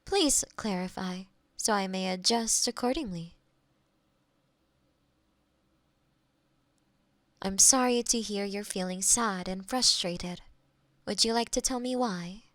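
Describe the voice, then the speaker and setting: A woman's voice: mid-range voice, a little slow, fairly bright tone, dry recording, close to an everyday voice. A woman playing a polite AI girlfriend eager to please, speaking in stilted, precise phrases in an intimate close-miked roleplay. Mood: formal, sympathetic. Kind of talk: scripted intimate roleplay audio. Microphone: close binaural microphone.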